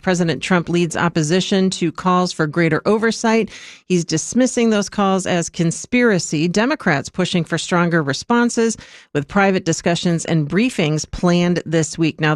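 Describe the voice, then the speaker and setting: Measured radio newscaster, dry sound. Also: mid-range voice, no echo. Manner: steady, measured news delivery. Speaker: news reader.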